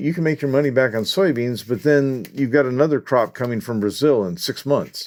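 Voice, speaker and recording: Speaking with an American accent in a normal speaking voice, a man keeps to a medium pitch with ordinary pitch variation, moving at a fairly quick pace with hardly any pauses. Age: 60s. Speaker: farmer. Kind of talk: interview.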